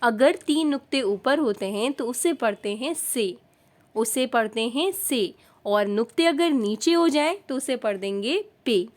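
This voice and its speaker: A woman's voice: on the high side, expressive, moderate pace, hardly any pauses. A woman teaching a beginner Urdu lesson over an on-screen chart, patiently repeating each point and checking in often.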